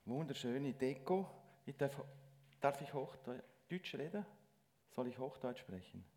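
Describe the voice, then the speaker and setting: A man's voice: mid-range voice, expressive, a little mellow. Earnest man preaching in church. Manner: earnest, halting, with frequent restarts. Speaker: lay preacher. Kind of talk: church sermon.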